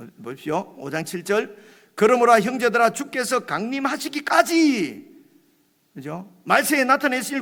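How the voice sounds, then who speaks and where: A man's voice at an extremely high pitch. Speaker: pastor. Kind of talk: sermon.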